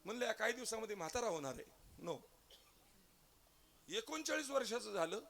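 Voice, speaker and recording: This man's high-pitched voice is sing-song, brisk, and a bit bright, with some vocal fry. Speaking with a Marathi accent, he preaches a devotional kirtan sermon, narrating a comic story, acting out its dialogue, and launching into chants.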